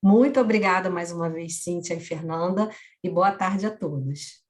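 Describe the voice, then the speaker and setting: A woman hosting a live webinar, speaking in a measured, formal way with frequent fillers. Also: on the low side, a little mellow. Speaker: event host.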